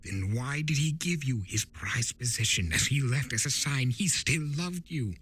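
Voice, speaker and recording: A man voicing an impassioned, scolding male spirit of chaos with theatrical, drawn-out emphasis in a dramatic story reading. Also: medium pitch, expressive, fairly bright tone, breathy edge, pitched above the performer's own voice. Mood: pressing, earnest. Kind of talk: dramatic fan-fiction reading.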